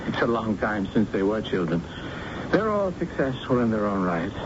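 Pleading older businessman suitor, lowish expressive voice, halting, earnest, radio drama, muffled recording. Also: background noise. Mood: earnest, tender.

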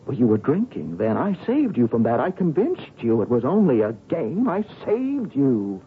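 Brief: smooth-talking, desperate gambler; swooping pleas, lo-fi broadcast. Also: male voice, mid-range voice, huge pitch swings, moderate pace, a little hiss or hum. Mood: coaxing. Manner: coaxing, stammering, pleading. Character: wheedling man, gambler, manipulative suitor. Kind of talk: 1940s radio acting. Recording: tinny old radio broadcast.

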